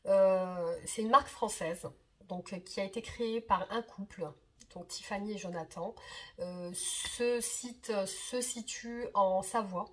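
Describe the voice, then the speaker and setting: A woman in her thirties, slightly hoarse from a cold, chatting to her viewers as a card reader, hesitant with many fillers and repeated words. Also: medium pitch, a little slow, fairly bright tone. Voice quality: husky. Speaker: tarot reader and channel host. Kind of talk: casual direct-to-camera chat.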